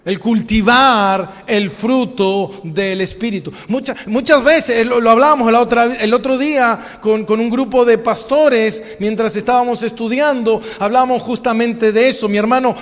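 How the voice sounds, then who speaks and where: A man's voice: very high voice, unhurried, in a large hall. A man with an Argentine accent, a pastor preaching a sermon, emphatic and full of rhetorical questions. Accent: Argentine Spanish. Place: church hall.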